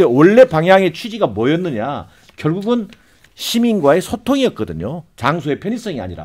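Against a quiet background, a man with a high pitch talks at a moderate pace, his pitch swinging very widely and his loudness swinging a lot. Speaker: political commentator, professor. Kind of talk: political panel discussion. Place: studio. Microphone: studio mic.

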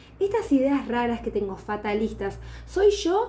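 A woman speaks fairly slowly in a high voice with a dark, mellow tone and very wide pitch swings. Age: 30s. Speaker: life coach. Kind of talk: promotional monologue. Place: home room.

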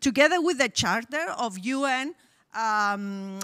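A woman speaks in a raised, projected voice with a bright, sharp tone. Her pace is fairly slow against a quiet background. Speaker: conference speaker. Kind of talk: lecture. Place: hall. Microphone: podium.

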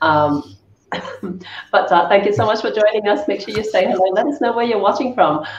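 Amid noticeable background noise, a woman of medium pitch talks at a fairly quick pace with very wide pitch swings and long, frequent pauses. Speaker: live stream host. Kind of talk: live stream cooking show chat. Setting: live stream. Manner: careful, quiet speaking.

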